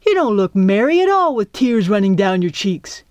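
A woman's voice: medium pitch, sing-song, moderate pace, a little mellow, dry recording, natural voice. A woman doing a jeering tough young girl. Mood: scoffing. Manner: jeering, blunt. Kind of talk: audiobook character voice.

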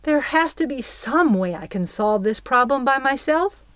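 A woman voicing a proud, bitter aging female fairy who talks high, huffy and plaintive. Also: expressive, normal speed, a bit bright, no echo. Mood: self-pitying.

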